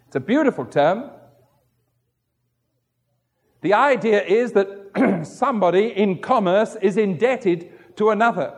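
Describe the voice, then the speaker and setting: A middle-aged man preaching in a high, bright register, his words ringing out through a long church reverb. He tells stories and slips into the voices of the people in them, his pitch leaping up and down. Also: slightly rough. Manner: storytelling, acts out quoted voices with wide pitch swings. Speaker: pastor. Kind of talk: sermon.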